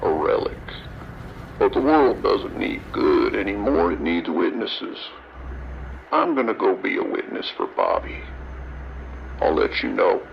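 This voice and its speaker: A sinister trucker in a radio drama, relishing the morbid. His voice is extremely low and gravelly, drawling slowly and menacingly. It comes through a dull, noisy CB radio. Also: sing-song, exaggerated voice. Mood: sinister, coaxing. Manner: menacing, taunting, theatrical drawl. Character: sinister, gleeful male trucker with morbid fascination.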